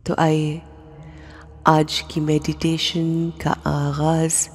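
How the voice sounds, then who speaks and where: A woman leading a guided meditation and prayer, speaking softly in short, measured phrases with long pauses. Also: low-pitched, monotone, a little hiss or hum. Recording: long reverb with music bed. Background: music.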